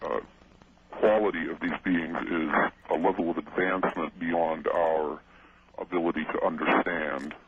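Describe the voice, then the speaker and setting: Very deep disguised man, voice changer. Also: fairly even intonation. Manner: halting, hesitant, restarts words often. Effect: voice changer disguising his voice. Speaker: radio call-in guest. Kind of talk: radio interview. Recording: tinny phone line with loud hiss.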